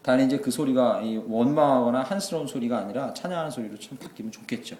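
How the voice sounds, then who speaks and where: A man preaching a sermon as pastor, moving between quiet asides and loud exclamations. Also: mid-range voice, quick pace. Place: church sanctuary. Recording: echoey church hall.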